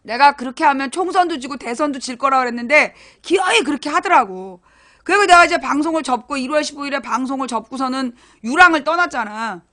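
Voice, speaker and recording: Blunt, high-voiced woman streamer. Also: fast talker. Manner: blunt, swears freely and teases listeners; storytelling, animated retelling. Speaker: internet broadcaster. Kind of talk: casual live-stream chat to viewers.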